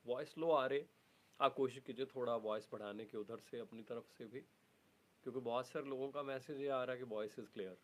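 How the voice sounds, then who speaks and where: A man's voice: mid-range voice, moderate pace. A middle-aged man hosting a live stream from an office, mixing English words into his speech as he reads out viewers' cities. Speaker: live-stream host and trainer. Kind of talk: live-stream chat reading viewer messages.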